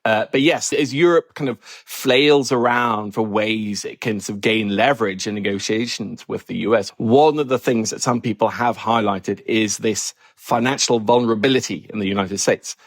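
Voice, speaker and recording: A man from Norway with a low voice talks through his answers in a thoughtful, measured way, with a wry edge. The recording is dry and close. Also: no room sound. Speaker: journalist and guest. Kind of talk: interview answers.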